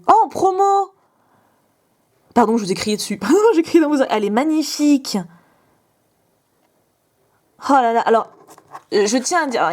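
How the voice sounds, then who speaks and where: Gushing young woman with a higher voice. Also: a little mellow. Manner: gushing, exclamatory, quick asides. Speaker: vlogger opening fan mail. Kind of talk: casual unboxing chat.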